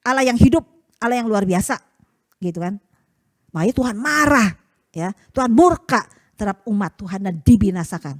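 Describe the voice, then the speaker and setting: A woman's voice: medium pitch, lively intonation, brisk, long pauses, dry recording. A woman preaching a conversational sermon, asking rhetorical tag questions and acting out the prayers and voices she quotes. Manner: chatty, rhetorical tag questions, chuckles often.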